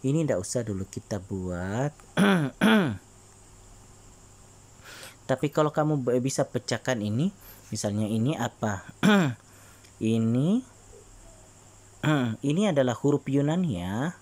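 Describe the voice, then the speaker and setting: A male teacher, explaining a religion lesson to children and often clearing his throat. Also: mid-range voice, big pitch swings, slow, pauses often. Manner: frequent throat clearing, coaxing repetitions.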